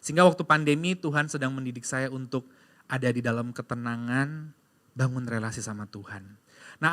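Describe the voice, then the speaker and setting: Lively pastor preaching. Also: male voice, fairly high pitch. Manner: lively storytelling, addressing the congregation as "Saudara"; swings from loud emphatic preaching to quiet confessional tones. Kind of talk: sermon. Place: church sanctuary.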